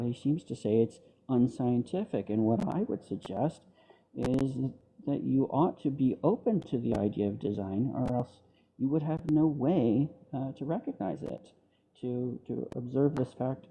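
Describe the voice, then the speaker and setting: A man's voice: medium pitch, dark tone, slight background noise. A man arguing his side in a live online debate, heard over a muffled phone or headset mic on a call, pressing his points with frequent ums and restarts. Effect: muffled remote call mic, sounds underwater. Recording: muffled, dull lo-fi call audio.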